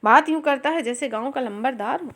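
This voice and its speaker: A woman's voice: high-pitched, fairly quick. A woman voicing an abusive village landlord. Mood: angry, abusive. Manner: shouting insults, harsh and threatening. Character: arrogant, abusive middle-aged male village landlord.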